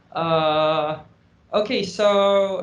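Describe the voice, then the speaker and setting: The intonation is fairly even. Audible room echo can be heard. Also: man. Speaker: composer and lecturer. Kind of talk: lecture. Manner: halting.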